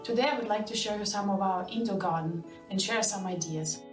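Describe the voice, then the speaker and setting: A woman's voice: medium pitch, fairly quick, recorded from a distance. Woman from Estonia, earnest home video tour, echoey room, recorded from afar, faint music behind. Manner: earnest, slightly non-native phrasing. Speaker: viewer showing her indoor garden. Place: home interior with plants.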